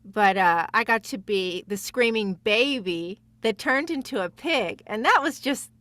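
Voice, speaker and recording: Female guest voice actress, medium pitch, dry sound. Chatty, giggly, animated storyteller who wanders casually from one thought to the next. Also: unhurried, no room sound.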